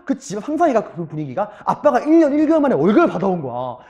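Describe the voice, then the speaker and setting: A man's voice: sits high, huge pitch swings, fast, dark tone, dull audio. A male middle school history teacher giving an online lecture, telling the story animatedly and talking straight to his students.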